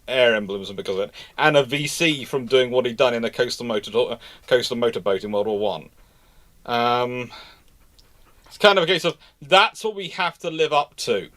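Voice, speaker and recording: A man's voice: mid-range voice, a bit bright. A man hosting a casual live history discussion, telling stories emphatically in a rambling, self-correcting way. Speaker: livestream host and naval historian.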